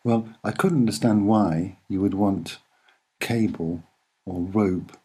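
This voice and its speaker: A soft-spoken man with a slightly husky voice, presenting and explaining images in an unhurried, earnest way with hesitant pauses. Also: fairly low pitch. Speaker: online video presenter.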